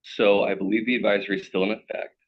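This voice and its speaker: A man with a raspy voice giving a formal staff presentation as a program manager. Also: fairly low pitch, little pitch movement, fast talker. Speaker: city stormwater program manager. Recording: dull, band-limited meeting audio.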